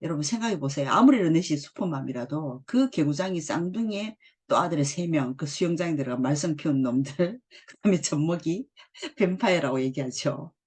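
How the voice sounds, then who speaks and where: A middle-aged woman teaching English from drama scenes, reading lines slowly and then explaining them. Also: low-pitched, animated, darkish tone, husky. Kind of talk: explaining drama dialogue in a lesson.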